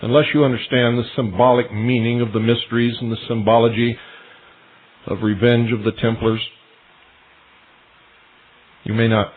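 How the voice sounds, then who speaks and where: A male radio host delivering a solemn, deliberate monologue, speaking straight to his listeners as ladies and gentlemen. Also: mid-range voice, level tone. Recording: tinny shortwave radio broadcast.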